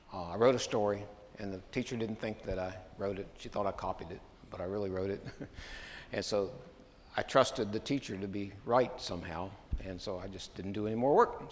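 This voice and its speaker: A man's voice: fairly low pitch, a bit bright. A man preaching a sermon in a conversational, storytelling way, often chuckling to himself. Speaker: pastor. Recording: long hall reverb.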